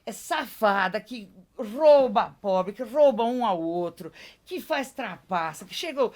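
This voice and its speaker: A woman, a podcast guest talking bluntly and emphatically in casual chat. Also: fairly high pitch. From Brazil. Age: 60s.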